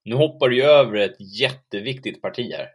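Husky-voiced man co-hosting a podcast. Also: mid-range voice. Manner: calm, interjects briefly. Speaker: podcast co-host. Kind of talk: casual chat about literature.

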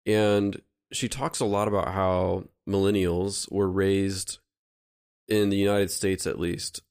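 A man with a low voice leads a thoughtful talk. He explains ideas calmly and keeps checking in with "right?" His voice has a gravelly edge. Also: slow. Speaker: host. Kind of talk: reflective conversation.

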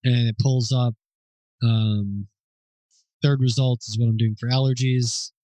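A man answering listener questions off the cuff at a mid-range pitch, pausing to think and correcting himself as he goes. His voice sits close and dry, with almost no room sound around it. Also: steady tone, dark tone, dry recording, low-quality recording. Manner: thinking aloud, hesitant, with fillers and self-corrections; informal and explanatory.

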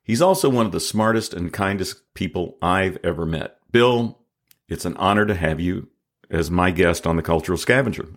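A man hosting a podcast, telling a history story in a measured way and then interviewing his guest. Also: sits low. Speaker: podcast host. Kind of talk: scripted narration and interview. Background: faint guitar music.

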